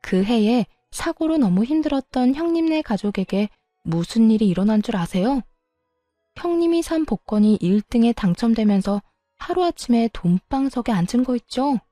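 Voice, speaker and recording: Mellow woman narrating a wry story. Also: fairly high pitch, lively intonation, normal speed, no echo, faint music behind.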